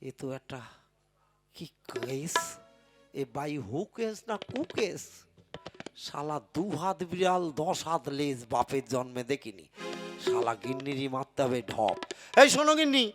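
A man voicing a sly, clever village husband in a comic folk puppet show, muttering quick asides to himself. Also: high voice, very animated, pushed and bright, heavily acted. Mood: scheming. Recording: tabla music behind. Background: tabla and folk music.

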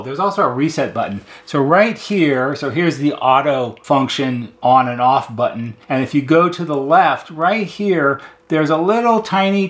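A man's voice: mid-range voice, fairly bright tone. A middle-aged American man giving an unscripted hands-on demonstration as a repair technician, explaining methodically in plain words. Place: indoor repair workshop at a bench.

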